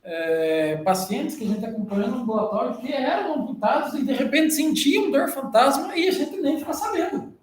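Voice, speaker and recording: A man with a fairly high voice and a Brazilian Portuguese accent leads an academic presentation. He explains in long stretches and keeps checking in with tag questions. The room around him sounds echoey. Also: animated, moderate pace, hardly any pauses. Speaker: journal club presenter. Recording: roomy echo.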